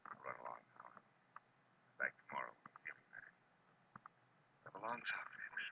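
Through heavy noise on a muffled old radio recording comes a world-weary private eye. He is very low-voiced and brooding, with clipped, dramatic phrasing that swings widely in pitch. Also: very animated, normal speed, creaky, exaggerated voice. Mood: gentle, hushed. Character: hard-boiled male private eye, world-weary but tender. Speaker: lead actor and narrator of detective series. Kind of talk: 1940s radio noir acting and narration.

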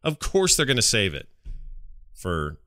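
A man's voice: fairly low pitch, wildly swooping pitch, unhurried, bright, forceful tone, no echo, studio quality. A man hosting a casual gaming podcast, enthusiastic, slangy and rambling as he talks. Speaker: podcast host.

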